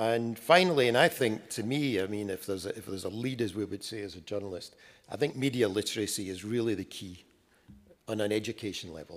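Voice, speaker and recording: On a very clean recording with a silent background, a man in a Glasgow accent talks at a very fast pace, fairly low in pitch with ordinary pitch variation and big swings in loudness. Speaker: news agency editor and speaker. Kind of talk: conference talk. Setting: conference stage with audience.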